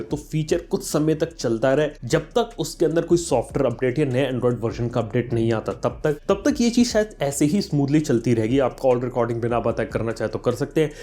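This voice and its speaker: A man's voice: medium pitch, warm tone. A man explaining things conversationally as a tech vlogger, addressing viewers directly and mixing in English terms. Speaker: tech YouTuber, host. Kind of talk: explainer vlog, conversational commentary.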